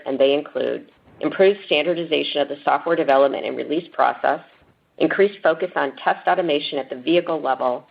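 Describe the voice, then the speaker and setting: A woman executive reading a scripted earnings call statement in a formal, measured corporate manner. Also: low-pitched, vocal fry, breathy edge. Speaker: company executive. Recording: muffled lo-fi conference call clip.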